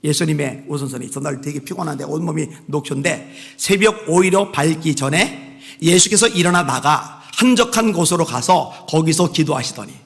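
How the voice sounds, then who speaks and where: A man with a high, gravelly voice preaching a sermon. He moves from shouted exhortations to quiet asides and leads the congregation in repeating phrases after him. The sound carries the long reverb of a church hall. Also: normal speed. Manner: leads the congregation in call-and-response repetition. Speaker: pastor. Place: church sanctuary.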